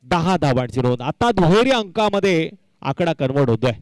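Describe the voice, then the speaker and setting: A man's voice: fairly high pitch, sing-song, brisk, a little mellow, no room sound. A man giving live commentary and announcements at a local cricket tournament, emphatic and fond of repeating phrases for effect.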